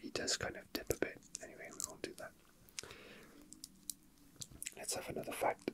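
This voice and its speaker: A man whispering softly and breathily in a casual, hesitant ASMR style, chatting and reading aloud without hurry. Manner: slow, hesitant, unhurried. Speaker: ASMR video creator. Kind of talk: whispered ASMR, casual chat with read-out facts.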